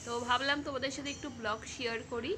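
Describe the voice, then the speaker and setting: A woman's voice: high-pitched, steady tone, rapid-fire, noisy background. A woman chatting casually to her viewers in a home vlog, talking to them like friends. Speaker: vlogger. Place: rooftop and home.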